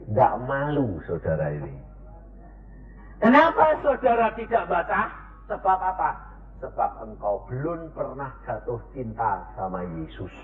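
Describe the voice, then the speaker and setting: A man preaching a sermon, swinging between high cries and low murmurs as he questions his congregation. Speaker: evangelist preacher. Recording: echoey, tinny lo-fi sermon tape.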